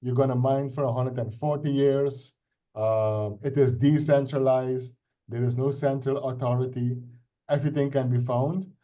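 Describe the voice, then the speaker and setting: A man's voice: mid-range voice, steady tone, moderate pace, warm tone. Middle-aged man with a Dutch accent, muffled call audio. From Suriname. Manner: earnest, explanatory, with frequent restarts and "right?" checks. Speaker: IT consultant presenting a crypto project. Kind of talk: casual self-introduction and explanation on a video call. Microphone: video call. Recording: dull lo-fi video call audio.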